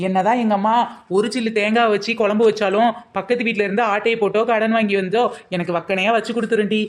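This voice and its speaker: A woman's voice: mid-range voice, fairly even intonation, quick pace, close to an everyday voice. A woman voicing a chatty teenage girl from a poor home in a cartoon, gossiping with her friends. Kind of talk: cartoon voice acting.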